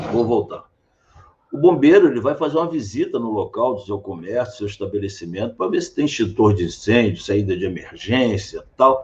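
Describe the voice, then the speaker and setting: Fairly quick, somewhat breathy talk from a man with a medium pitch and very wide pitch swings. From Rio de Janeiro, Brazil. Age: 60s. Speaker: doctor and political candidate. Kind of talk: interview. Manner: animated.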